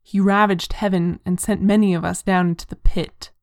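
A woman's voice: medium pitch, little pitch movement, normal speed, dry recording, clean studio sound, close to an everyday voice. A woman voicing a sneering, vengeful male demon in an audio story, scornful and commanding. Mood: sneering, bitter.

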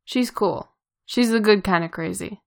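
A woman's voice: medium pitch, unhurried, vocal fry. Woman voicing a slurring, cocky drunk woman. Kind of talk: fan fiction read aloud.

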